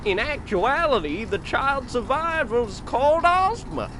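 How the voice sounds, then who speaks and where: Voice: sits high, sing-song, unhurried, pushed and bright, exaggerated voice. An actor voicing a sassy female talking chicken in an audio drama, with a blunt, snippy manner. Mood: earnest, explanatory. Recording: faint background noise.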